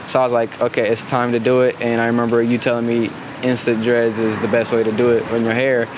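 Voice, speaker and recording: A man's voice: mid-range voice, monotone, quick pace, background noise. Laid-back young man from Ethiopia. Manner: laid-back, slangy, rambling. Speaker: guest. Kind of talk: casual chat.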